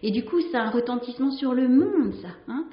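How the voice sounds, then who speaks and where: A woman's voice: sits high, lively intonation, fairly quick. Woman reading a story in an echoey room. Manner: gentle, hesitant with fillers when speaking freely. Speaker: nun reading a story to listeners. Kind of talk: story reading and spiritual reflection. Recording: roomy, slightly dull recording.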